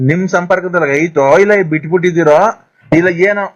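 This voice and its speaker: A man's voice: high voice, fast talker, dull audio. A man in a rural comedy dialogue who coaxes and insists in a pushy way. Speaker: comedy performer.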